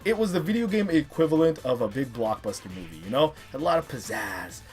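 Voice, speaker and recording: A man in his thirties hosting a casual, chatty video countdown, talking in an animated, emphatic way with playful hype. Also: fairly high pitch, quick pace, over loud music. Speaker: host of a top three video series.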